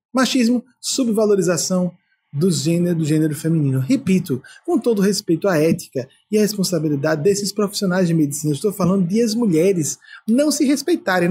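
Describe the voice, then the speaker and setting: A man's voice: high voice, sing-song, a little fast, a little mellow, slight background noise. An older man from Brazil, a spiritual leader giving an emphatic talk full of rhetorical questions.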